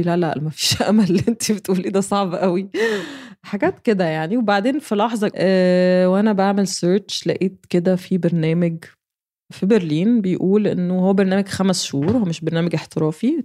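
A woman's voice: on the low side, dark tone. A woman in her thirties with an Egyptian Arabic accent, telling a personal story candidly in an interview, laughing now and then. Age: 30s. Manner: candid, laughs while recounting.

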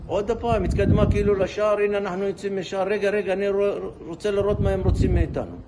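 A man's voice: sits high, steady tone. A man, a bereaved father giving a distraught account in a recorded clip, his voice breaking. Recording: noisy field recording.

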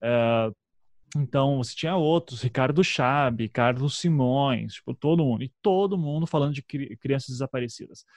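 Man, thirties, southern Brazilian accent, reflective interview talk, halting and self-interrupting, close dry sound. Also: mid-range voice, dry recording. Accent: southern Brazilian, from Paraná. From Curitiba, southern Brazil. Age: 30s. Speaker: podcast guest, storytelling podcaster. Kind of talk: conversational interview, reflective storytelling.

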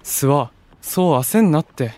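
A man's voice: on the high side, lively intonation, unhurried, darkish tone, no room sound. A wry, self-assured young male idol in an audio drama. He talks bluntly and casually with teasing retorts, recorded close and dry. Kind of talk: Japanese anime-style audio drama acting.

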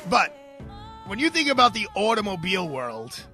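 A man's voice: high-pitched, sing-song, normal speed, pushed and bright, soft background music. A man hosting a live radio talk show, introducing and interviewing a guest with effusive energy.

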